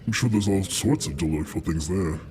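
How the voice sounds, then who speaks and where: Man voicing a deep, condescending black dragon. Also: fairly quick, darkish tone, slight background noise, lightly acted. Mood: sly, bargaining. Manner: condescending, drawling, bargaining. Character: proud, sly young black dragon, scornful of mortals.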